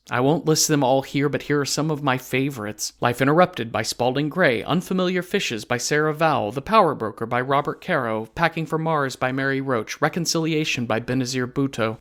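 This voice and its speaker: A man delivers a podcast sponsor read in a mid-pitched voice. He sounds informal and conversational, slipping in playful humor with a deadpan touch. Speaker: podcast co-writer reading a sponsor message.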